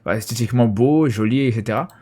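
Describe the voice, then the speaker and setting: A young man hosting a casual live stream, chatting with a guest and reading out viewer questions, often trailing off into a quiet murmur. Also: mid-range voice, fast talker. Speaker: streamer host.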